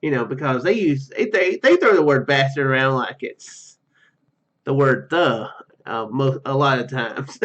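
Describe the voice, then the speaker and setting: A man doing a let's play, reading story text aloud haltingly and dropping in casual asides. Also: mid-range voice, a bit bright, lo-fi sound. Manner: halting, stumbles over read words. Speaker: gaming YouTuber.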